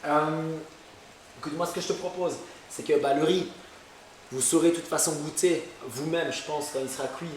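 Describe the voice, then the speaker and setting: A fairly high-voiced Belgian man with a Liège accent chats through a home cooking segment, filling his sentences with hesitations and breaking into loud emphatic bursts. His voice rings around an echoey kitchen, with faint noise and clicks behind it. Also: steady tone, normal speed. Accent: Belgian French, Liège. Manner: chatty, hesitant with many fillers, bursts of emphatic shouting. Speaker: nutrition show host. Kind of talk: casual cooking chat.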